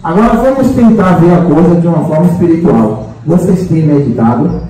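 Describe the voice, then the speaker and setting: A man's voice: on the high side, lively intonation, fairly quick, dark tone, faint music behind. A man giving a chatty, teasing spiritual talk to a group, full of tag questions and fillers. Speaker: spiritual guide addressing a group. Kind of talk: informal spiritual talk to a meeting. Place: large echoey meeting hall. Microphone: distant room microphone. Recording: very echoey hall, voice from far off.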